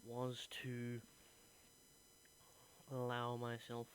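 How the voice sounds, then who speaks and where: Earnest young man, flat delivery. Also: medium pitch, very slow, a little hiss or hum, low-quality recording. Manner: earnest, thinking aloud. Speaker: acting student. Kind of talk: reflective voice diary.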